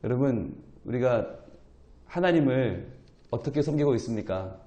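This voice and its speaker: A male pastor preaching at an early-morning church service, talking in a lively, colloquial way and playfully acting out scripture dialogue. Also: medium pitch, moderate pace, lo-fi sound. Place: church sanctuary. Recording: roomy church echo.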